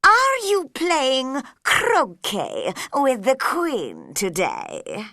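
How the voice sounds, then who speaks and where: Cheshire Cat, as a woman reader puts it on, slow and teasing. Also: high-pitched, wildly swooping pitch, bright, forceful tone, no room sound, clean studio sound, voice pushed up, exaggerated voice. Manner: slow, drawn-out, knowing delivery. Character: grinning riddling male cat, calm and teasing.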